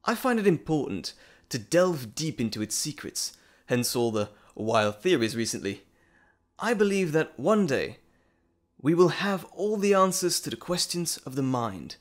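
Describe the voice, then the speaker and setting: A man's voice: on the high side, very animated, a little slow. A man playing an earnest, polite, bashful doctor and lecturer in an audio drama, articulate and formal. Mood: passionate. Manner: articulate, formal, eager to ramble. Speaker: voice actor in audio roleplay. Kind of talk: audio drama roleplay acting, addressing the listener.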